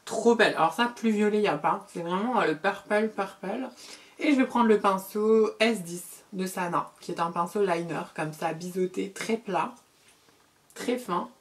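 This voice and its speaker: A middle-aged beauty vlogger with a mid-range voice gives a casual makeup tutorial. She's chatty, repeats words, and fills her pauses.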